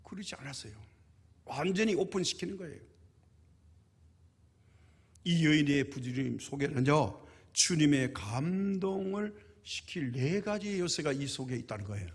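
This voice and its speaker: A man's voice: fairly high pitch, expressive, normal speed, pauses often, slightly rough. A male pastor preaching a sermon in a church, emphatic, posing rhetorical questions and answering them himself. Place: church sanctuary. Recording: reverberant church hall.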